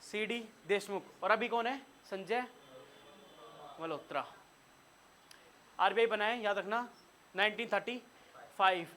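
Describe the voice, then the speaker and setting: A man with a Hindi accent teaching a room of students, his voice high and bright as he quizzes them on facts. He keeps firing questions and telling the class what to note down. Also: unhurried, long pauses, slight background noise. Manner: quizzes students and has them take notes. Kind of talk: classroom lecture.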